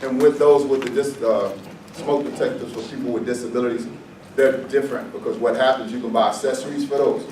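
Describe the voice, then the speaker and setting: A man from the Virgin Islands talks to a roomful of people about fire safety, chatty and quick to joke. His voice sits at an ordinary pitch and reaches the mic from a distance, with the room ringing around it. A steady hiss of noise runs underneath. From U.S. Virgin Islands (St. Croix). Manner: joking, chatty, loose and conversational. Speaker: fire department safety presenter. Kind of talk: informal presentation to a seated group. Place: meeting room with an audience. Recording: echoey room, mic far off, noisy background.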